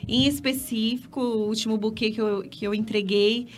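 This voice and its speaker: A woman florist and decorator chatting casually, warm and quick to laugh. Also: on the high side, fairly even intonation, soft background music. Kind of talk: casual panel chat.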